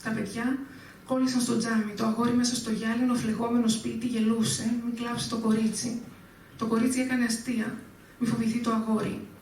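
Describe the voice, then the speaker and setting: A woman reads her poems aloud at a literary event in a fairly high, level voice that barely rises or falls. She is caught from a distance in a strongly reverberant room, with faint ambience underneath. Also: slight background noise. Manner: measured, flat, even delivery. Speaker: poet reading own work. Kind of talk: live poetry reading. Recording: very echoey room, speaker far from mic.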